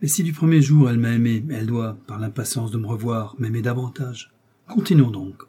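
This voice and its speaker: A man doing a smooth, scheming seducer in an audiobook, pouring out melancholy declarations in a warm, husky voice. He sounds pleading and impassioned, pushing his lines a little higher and louder than a plain reading. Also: a little fast, close to an everyday voice. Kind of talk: audiobook character voice.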